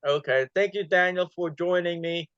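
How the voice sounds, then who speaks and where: A male podcast host talks in a loose, chatty way, leaning often on "you know". His voice is slightly high. The recording is dry and close but dull and lo-fi. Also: fairly even intonation, normal speed, fairly bright tone, no room sound. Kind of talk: podcast interview.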